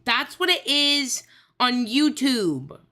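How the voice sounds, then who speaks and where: A woman's voice: high voice, sing-song, slow pace, bright, forceful tone. A woman hosting a casual livestream, chatting in a playful, teasing, exclamatory way. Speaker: streamer and host.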